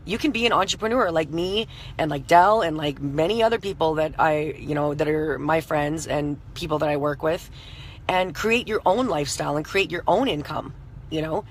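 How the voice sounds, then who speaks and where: Hoarse woman in her thirties, chatty. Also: low-pitched, normal speed, a little hiss or hum, poor audio. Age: 30s. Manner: chatty, full of "you know" fillers, greets viewers by name. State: hoarse, scratchy voice. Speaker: entrepreneur hosting a live stream. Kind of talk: motivational live-stream talk.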